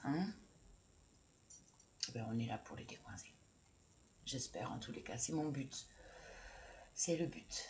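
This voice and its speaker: A woman's voice: very deep voice, vocal fry, a little hiss or hum. A woman reading oracle cards in a casual chatty way, hesitant, with many fillers and self-corrections. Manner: chatty, laughs at herself. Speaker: oracle card reader.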